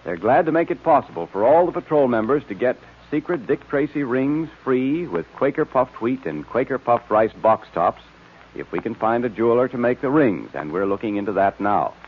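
A man delivers a lively, persuasive 1940s radio announcement. His voice is slightly husky and swings widely in pitch. It comes through as a thin, tinny old radio broadcast. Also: moderate pace.

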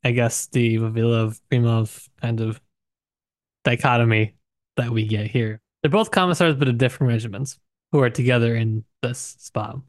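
A man's voice: medium pitch, steady tone, normal speed, no echo. A man co-hosting a podcast, casually discussing a book in a joking, loosely worded way. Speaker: podcast co-host.

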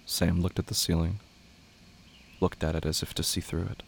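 A man narrates a horror story in a very low, creaky voice. His delivery is measured and somber, with little rise or fall. There is clear noise behind him. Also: level tone. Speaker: narrator of a horror audio drama. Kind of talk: scripted dramatic narration.

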